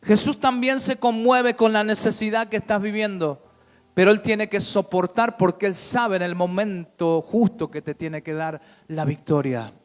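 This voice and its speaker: High-voiced preaching man. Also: steady tone, moderate pace. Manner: preaching with rhetorical questions to the congregation. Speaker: pastor. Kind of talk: sermon.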